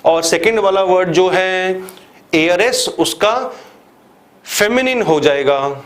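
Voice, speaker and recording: A man with an Indian accent teaches a grammar lesson to exam students in a classroom lecture, posing questions and answering them himself while repeating examples step by step. His voice sits high and sounds a bit bright, and he speaks slowly.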